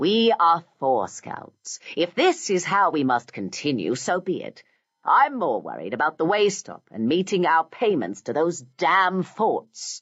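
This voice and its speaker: A put-on character voice, gravelly, middle-pitched, stern and raised, projects at a fairly slow pace with hardly any pauses. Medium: read story. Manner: stern, clipped, unsentimental.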